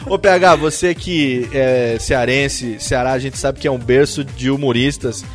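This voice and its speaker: A man hosting a podcast in casual chat, joking and teasing in an animated way. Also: mid-range voice, measured pace, soft background music. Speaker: podcast host.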